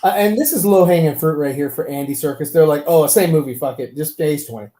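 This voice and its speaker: A man's voice: a little high, fast talker, dark tone. A man chatting casually as a panelist in a group discussion. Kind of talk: casual chat. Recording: faint background noise.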